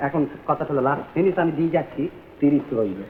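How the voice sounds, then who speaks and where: An actor playing a pushy, meddling house buyer with a low, drawling, overfamiliar voice in a vintage comic film scene. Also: male voice, animated, quick pace, slight background noise, natural voice. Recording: tinny lo-fi old film sound.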